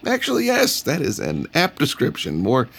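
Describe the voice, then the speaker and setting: Nervous young prof, gravelly low voice, bouncy, lots of uhs, faint music. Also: male voice, wildly swooping pitch, moderate pace, fairly bright tone, full character voice. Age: young adult. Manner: hesitant, fumbling, full of uhs. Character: young male anthropology professor, eager, nervous. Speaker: professor.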